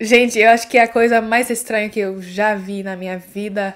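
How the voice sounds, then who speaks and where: A woman's voice sits fairly high in pitch. Nothing much stirs in the quiet background. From Canada. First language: English (speaking Portuguese). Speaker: YouTuber; reaction youtuber. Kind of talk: reaction video commentary. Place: home room. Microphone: studio mic.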